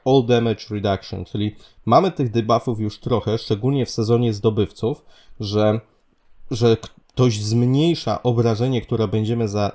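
A man talks over gameplay footage, walking through a strategy game build in a relaxed explanatory way. He pauses often with fillers and little asides while he works through each point. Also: medium pitch. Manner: explanatory, frequent fillers and "że tak powiem". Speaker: gaming channel host. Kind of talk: game guide commentary. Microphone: voice-over on screen capture.

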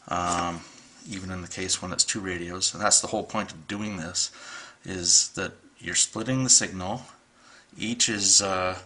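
A man's voice: sits low, pushed and bright. A middle-aged man, a radio hobbyist, casually explaining gear at home on a desk camera mic, with many ums and restarts. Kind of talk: casual how-to video. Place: home radio room, at a table.

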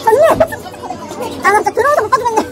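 A young adult woman vlogging a mukbang, chatting excitedly to the camera and humming as she tastes food between bites. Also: very high voice, quick pace. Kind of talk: casual chat while eating on camera. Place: small indoor room, then a busy restaurant. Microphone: camera on the table in front of her. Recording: background music and restaurant chatter.

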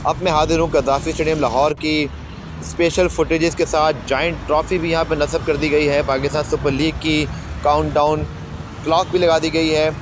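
A man's voice: a little high, flat delivery, normal speed. Eager Pakistani man vlogging over street noise. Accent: Pakistani Urdu. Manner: chatty, eager, addresses viewers as janab. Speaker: sports journalist vlogger. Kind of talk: casual commentary over outdoor footage.

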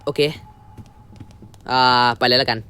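A young man commentating a horror game playthrough, switching between a mock-polite announcer tone and crude, shouty outbursts. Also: a little slow, a little hiss or hum. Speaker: gamer commentating his playthrough. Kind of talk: casual gameplay commentary.

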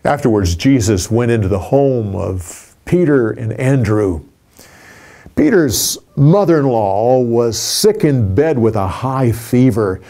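A man in his sixties telling a Bible story from memory in a studio, animated and expressive, with small restarts. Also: mid-range voice, slow pace. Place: indoor studio with a curtain backdrop.

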